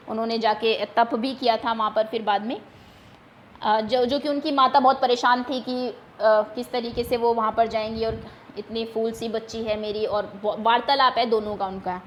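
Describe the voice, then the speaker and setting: A woman's voice: on the high side, fairly even intonation, moderate pace, a little hiss or hum. A woman teacher going through exam questions one at a time, patiently repeating each term in plain Hindi. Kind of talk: explaining exam answers.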